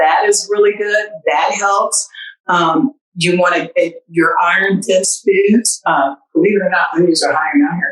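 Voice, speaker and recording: A normal speaking voice at a moderate pace. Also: woman. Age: 50s. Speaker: naturopath and trichologist. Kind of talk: webinar interview.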